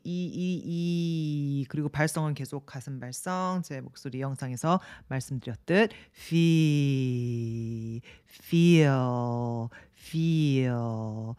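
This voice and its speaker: A woman's voice: low-pitched, a little mellow, no echo, clean studio sound. Woman teaching English sounds. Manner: demonstrates English words slowly, drawn out and repeated. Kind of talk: video lesson.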